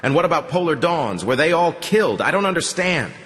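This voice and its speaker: A man's voice: on the high side, very animated, a little fast, fairly bright tone, long reverb tail, voice pushed up. A man voicing a desperate, injured man who urgently demands answers as he searches for a prisoner. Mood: frantic pleading.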